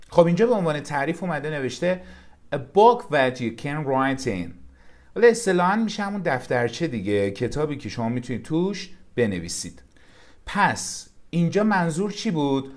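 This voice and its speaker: Persian-accented guy teaching english vocab, voice goes up and down a lot, reads phrases out slow then explains. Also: medium pitch. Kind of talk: vocabulary lesson explaining a textbook.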